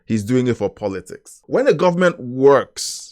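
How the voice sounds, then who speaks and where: A man hosting a reaction channel, giving animated political commentary and talking to his chat, often rising into emphatic loud stretches. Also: mid-range voice, normal speed.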